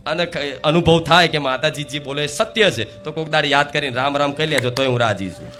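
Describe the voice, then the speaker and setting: Bright-voiced devotional preacher, man. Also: a little high. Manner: rhetorical, quizzes the audience and calls for responses; repeats key words for emphasis. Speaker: spiritual preacher speaking as the goddess. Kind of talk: devotional discourse to a live gathering.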